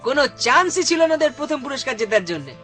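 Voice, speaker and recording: A high, sing-song cartoon boy who brags, giggles and swoops wildly up and down, as a woman puts him on. He is a mischievous prankster full of big talk, and bright music plays clearly behind him. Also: quick pace. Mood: boastful. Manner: bragging, giggly, excitable. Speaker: cartoon character. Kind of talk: cartoon voice acting. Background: background music.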